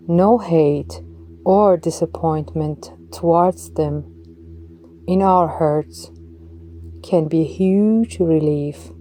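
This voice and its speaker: A woman with a low, very dark and mellow voice guides a meditation at an unhurried pace. Her delivery is soft, and some words fall away into a breathy whisper. A faint hiss sits behind her.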